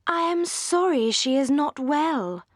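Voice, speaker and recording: A woman reading aloud, voicing a fawning young woman visitor who speaks slowly and sweetly. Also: high-pitched, lively intonation, dry recording, clean studio sound, voice pushed up. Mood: simpering.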